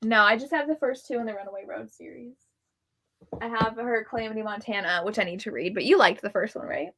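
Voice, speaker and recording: Bright-voiced woman chatting candidly about books. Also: fairly high pitch, fast talker. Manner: candid, opinionated. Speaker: book reviewer and livestream host. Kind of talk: casual chat about books on a live show.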